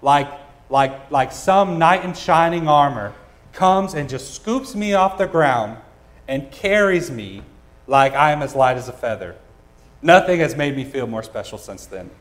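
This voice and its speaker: Guy preaching at church, slightly higher voice, laid-back joking storyteller, lots of uhs. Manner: casual and joking, with frequent uh fillers. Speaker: pastor. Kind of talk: sermon with personal storytelling.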